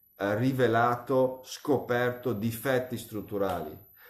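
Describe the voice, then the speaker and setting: A man speaks with a Venetian accent. His pace is very slow. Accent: Venetian, drops double consonants. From Veneto, Italy. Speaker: politician. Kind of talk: live-streamed political update. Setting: live video stream. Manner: hesitant with fillers.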